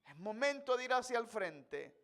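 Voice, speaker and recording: A male pastor giving a sermon in a church, moving from chatty asides to loud, impassioned preaching. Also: extremely high pitch, sing-song, moderate pace.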